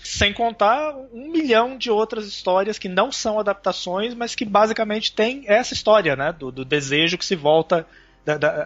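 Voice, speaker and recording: A man from Brazil, a guest on a podcast, talking in a relaxed, chatty way. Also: a little high. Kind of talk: casual chat. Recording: dull lo-fi audio with faint music.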